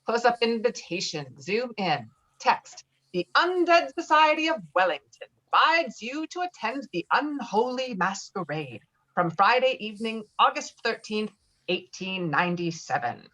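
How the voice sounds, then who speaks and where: A woman's voice: on the high side, sing-song, measured pace, a bit bright, rough recording. A woman reading screenplay directions aloud at a table read in clipped, descriptive phrases. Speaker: stage directions reader.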